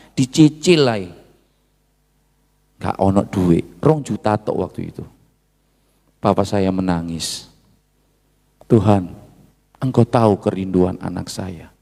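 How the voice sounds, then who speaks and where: Gravelly pastor preaching in a hall. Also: male voice. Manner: swings from low murmurs to loud high shouts; mixes Indonesian with Javanese asides. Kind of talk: sermon. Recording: long hall reverb.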